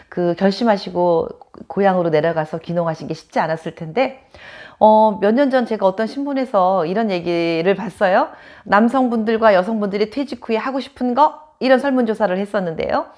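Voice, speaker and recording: A woman's voice: medium pitch, a little mellow. A woman from Chungcheong, South Korea, hosting her own channel and chatting to camera in a casual storytelling way, laughing often. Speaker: channel host.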